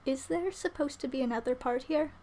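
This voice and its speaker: A woman's voice: high voice, a little fast, a little mellow. A woman reading a visual novel aloud on a live stream, dropping in chatty asides.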